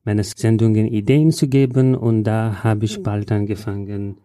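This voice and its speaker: A man from Afghanistan, answering interview questions in halting, full of hesitations. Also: fairly low pitch, steady tone, dark tone, no room sound. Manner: halting non-native German with frequent "äh" fillers. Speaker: guest, journalist.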